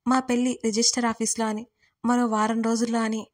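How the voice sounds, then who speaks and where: A woman's voice: a little high, level tone, fairly quick. A young adult woman telling a romantic audio story in the first person, in an intimate, emotional narrating voice.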